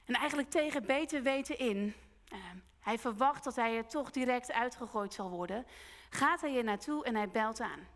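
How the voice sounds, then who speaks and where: High-voiced woman preaching in a reverberant hall. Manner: slow, earnest retelling with quoted voices. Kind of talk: sermon with storytelling. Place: church hall. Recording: long church hall reverb.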